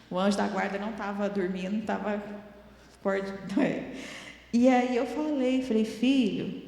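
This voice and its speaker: A woman's voice: medium pitch, vocal fry, dark tone. A woman giving a chatty, informal Christian parenting talk, laughing often and telling stories from home. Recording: very echoey large hall.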